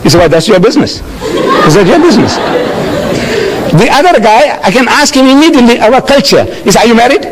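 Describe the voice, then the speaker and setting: A man from Africa, giving a religious lecture and answering audience questions in an animated, anecdotal way, repeating key phrases and chuckling. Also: very high-pitched, fast talker, crowd noise, noisy background. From South Africa.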